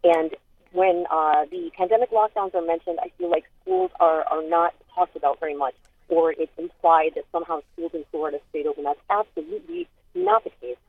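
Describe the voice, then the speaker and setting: Husky-voiced woman caller over the phone. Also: lowish voice, very animated, brisk, no room sound. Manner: firm, corrective. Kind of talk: call-in radio comment. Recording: tinny phone line.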